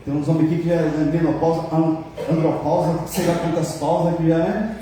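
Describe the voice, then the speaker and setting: Here the preacher's fairly high, warm voice comes across flat and fairly quick as he kids with his flock and dramatizes quoted speech, his Brazilian Portuguese accent clear. Slight background noise sits under a very reverberant hall sound picked up from afar.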